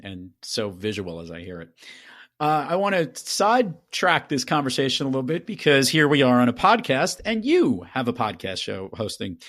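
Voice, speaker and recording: A man of medium pitch hosts a casual podcast interview in an upbeat, chatty way. His voice is recorded close and dry, with no room sound. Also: fairly bright tone, no room sound. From Brooklyn, New York. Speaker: podcast host.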